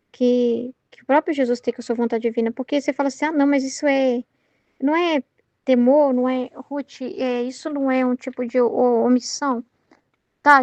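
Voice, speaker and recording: A woman's voice: high-pitched, darkish tone, no echo, muffled recording. A Brazilian woman leading a Catholic study group, giving an earnest, conversational spiritual talk full of fillers and restarts. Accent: Brazilian Portuguese. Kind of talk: informal spiritual teaching talk.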